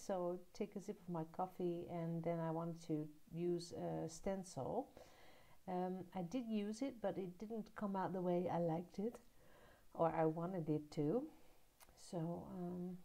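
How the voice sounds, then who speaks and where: A woman talks slowly through a voiceover of her crafting, in a low, gravelly voice with a dark, mellow tone. She rambles in a relaxed way, pausing often and filling the gaps with small hesitations. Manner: relaxed, rambling, with many pauses and fillers. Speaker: art journaling creator. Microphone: voiceover recorded at her laptop.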